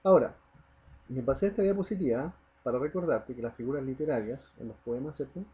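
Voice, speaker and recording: Teacher guy, husky voice, dull lo-fi recording, keeps asking the kids if they get it. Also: medium pitch, fairly quick, dark tone. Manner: explains step by step, keeps asking "¿ya?" and "¿cierto?", stresses example words. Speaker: primary school teacher. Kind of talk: recorded online class lesson.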